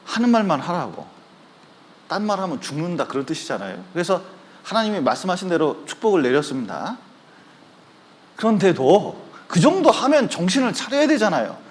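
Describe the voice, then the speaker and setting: Speaking briskly in a high voice, a male pastor delivers a sermon inside a church sanctuary. His storytelling is animated, and he acts out the quoted voices of the people he describes.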